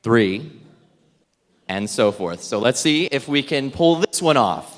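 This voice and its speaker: Man leading a group warm-up in an echoey hall. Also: mid-range voice, animated, slow pace. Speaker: theatre workshop facilitator. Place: large indoor event room with tables. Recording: echoey hall with long reverb.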